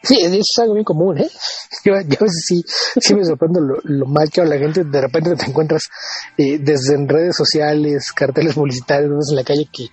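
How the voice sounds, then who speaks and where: A man's voice: fairly high pitch, normal speed, darkish tone, slightly rough, soft background music, low-quality recording. A man with a Mexican Spanish accent, chatting casually as a podcast co-host and often repeating words as he restarts.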